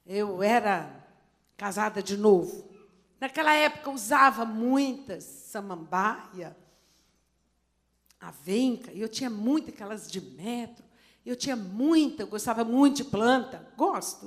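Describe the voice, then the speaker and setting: A middle-aged woman pastor with a Brazilian Portuguese accent, preaching a sermon with expressive swings between loud emphasis and quiet asides. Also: on the high side. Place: church service.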